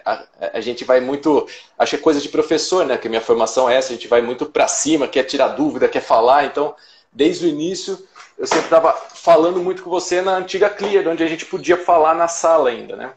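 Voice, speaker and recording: A man's voice: fairly high pitch, fast talker. Man telling his story in an echoey room. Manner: personal, reflective, many restarts. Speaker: guest trader. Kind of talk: casual storytelling.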